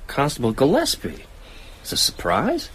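An actor in a radio drama playing a guarded, prickly novelist with a wry, curt manner. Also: male voice, medium pitch, wildly swooping pitch, moderate pace, fairly bright tone, breathy edge, heavily acted. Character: guarded, prickly male novelist, stranger in town.

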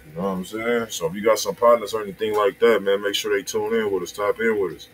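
A man's voice: lowish voice, steady tone, fast. A man in his thirties with an American accent, hosting a livestream in casual, slangy chat, speaking straight to his viewers. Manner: slangy, conversational, addressing viewers directly. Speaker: music review livestream host. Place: indoors, small room. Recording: noisy livestream room sound.

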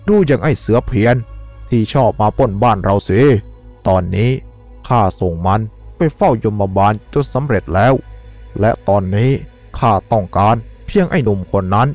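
A man's voice: lowish voice, expressive, normal speed, darkish tone, faint music behind, natural voice. A man doing a snarling, vengeful village thug. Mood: bitter. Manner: snarling, scornful.

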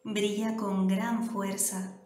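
Slow, calm woman guiding a meditation. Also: mid-range voice. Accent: Canary Islands Spanish. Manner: slow, soft, calm instructions with long pauses. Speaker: meditation guide. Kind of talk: guided meditation. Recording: roomy echo with soft music behind. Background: soft background music.

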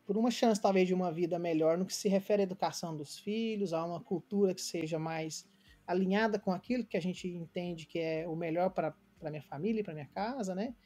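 A late-thirties man from Goiânia, Brazil, tells his story as a guest in a casual remote interview, speaking Brazilian Portuguese. His voice is high and dark-toned, a little fast, and his delivery is earnest and reflective with many fillers and restarts.

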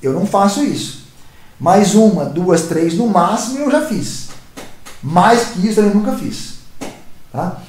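A man's voice: high-pitched, animated, a little slow, pauses often, darkish tone. A man with a Brazilian Portuguese accent, hosting his channel and telling stories in a rambling, casual way, often repeating and restarting words. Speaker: YouTube channel host. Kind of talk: casual storytelling monologue. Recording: roomy echoey sound.

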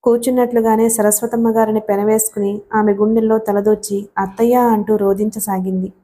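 A woman narrating a novel in steady, expressive storytelling. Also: medium pitch, brisk. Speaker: audiobook narrator. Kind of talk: scripted narration.

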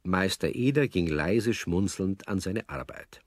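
A man narrating a children's audio play as a calm storyteller, reading scripted prose. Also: deep voice, a little slow. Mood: calm storytelling.

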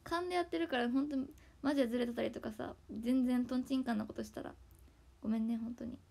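A young woman with a Hakata dialect, chatting casually on her livestream from home and thanking viewers, often slipping into soft whispery asides. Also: fairly high pitch, quick pace, creaky. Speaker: idol livestream host. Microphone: tablet built-in mic.

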